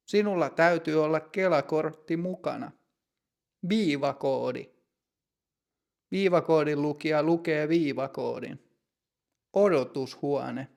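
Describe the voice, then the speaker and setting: A man reads a simple learner's story aloud in a slow, clear, deliberate way. His voice sits a little high and carries a gravelly fry. The delivery is plain scripted narration for students. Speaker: language teacher narrator.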